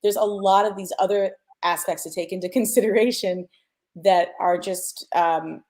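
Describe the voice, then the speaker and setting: A woman's voice: medium pitch, fairly even intonation, normal speed, darkish tone. A woman speaking as a sound designer on a panel, explaining informally and posing questions as she goes. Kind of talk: casual explanatory panel talk.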